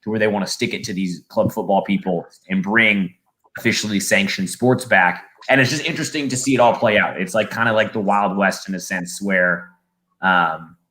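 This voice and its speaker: Low, bright-voiced young man chatting. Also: moderate pace. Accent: Southern California. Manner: rambling, full of fillers and restarts. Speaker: football play-by-play announcer and podcast guest. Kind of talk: casual podcast chat.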